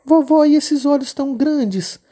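A woman's voice: unhurried, dark tone. Little Red Riding Hood, a tiny girl. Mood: curious. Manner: high, childlike and wide-eyed. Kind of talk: storybook narration.

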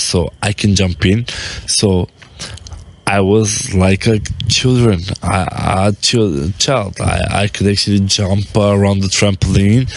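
A man with a fairly low voice talks on his rooftop in an easy, rambling way. His English is loose and he restarts words often as he thinks aloud. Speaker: podcast host and business owner. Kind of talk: casual talk to camera. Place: on his apartment rooftop, outdoors.

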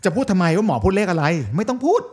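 A man's voice: high-pitched, lively intonation, racing, darkish tone, husky. A man co-hosting a podcast in casual chat, joking and blunt, swearing freely. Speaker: podcast co-host.

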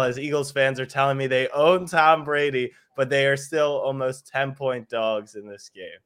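A young man hosting a casual sports show, asking brisk, teasing questions. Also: mid-range voice, fairly bright tone, clean tone. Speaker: podcast host.

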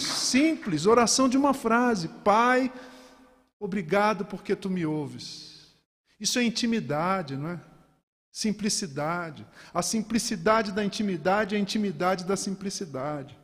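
Male preacher, animated sermon delivery, higher-pitched, long hall reverb. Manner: animated, rhetorical questions to the congregation.

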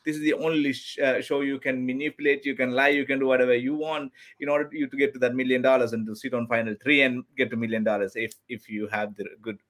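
A man from Sri Lanka speaks. His voice sits at a middle pitch for a man. He gives eager, emphatic interview answers and often pauses to search for the right words. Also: fairly even intonation, fairly bright tone. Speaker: podcast guest, former contestant.

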